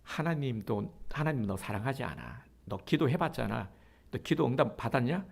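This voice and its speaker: A man's voice: very animated, moderate pace, gravelly, husky, exaggerated voice. A man voicing a sneering, taunting devil. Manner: jeering, belittling, hushed and low.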